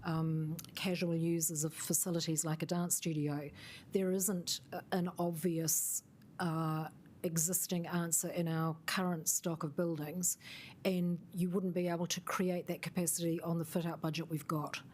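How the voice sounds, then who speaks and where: A woman officer answering councillors' questions in a measured, thoughtful way, with fillers. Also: lowish voice, flat delivery, darkish tone, slight background noise.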